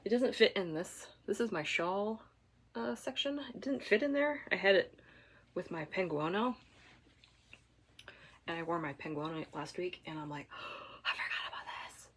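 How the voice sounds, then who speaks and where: A woman from Michigan hosting a knitting podcast, chatting casually to camera at home while congested, rambling with fillers and soft asides. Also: fairly low pitch, normal speed, a little hiss or hum. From Michigan, USA.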